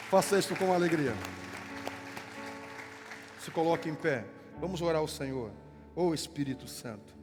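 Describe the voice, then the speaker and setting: A man's voice: on the high side, a crowd in the background. A man from southern Brazil with a gaúcho accent, a pastor leading prayer and giving notices in church. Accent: gaúcho Brazilian Portuguese. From Rio Grande do Sul, Brazil. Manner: fervent, drawn-out prayer lines, playful banter. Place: church sanctuary with worship music. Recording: reverberant hall with music behind.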